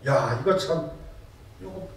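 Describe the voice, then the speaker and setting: A man's voice: a little high, takes it slowly. A male pastor preaching a sermon, firing rhetorical questions at the congregation and telling stories with animation. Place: church sanctuary. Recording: echoey church hall, distant mic.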